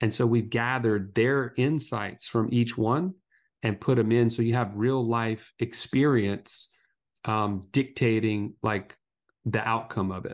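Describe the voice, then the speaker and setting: A man speaks with a Southern US accent at a fairly slow pace. His intonation is fairly even, and the recording is very clean with a silent background. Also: medium pitch for a man. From Alabama. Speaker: financial educator and investor. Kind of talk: interview.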